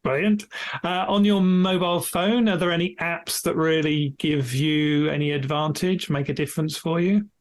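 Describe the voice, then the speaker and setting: A man hosting a business podcast, asking his set questions briskly. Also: a little high, fairly even intonation. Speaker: podcast host. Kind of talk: podcast interview.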